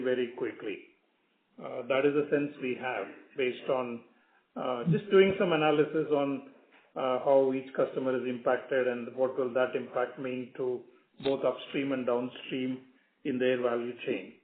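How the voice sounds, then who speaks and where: A man answering questions as a company executive on an earnings call, halting, measured and explanatory. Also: mid-range voice. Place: conference call. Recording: echoey, phone-like conference line.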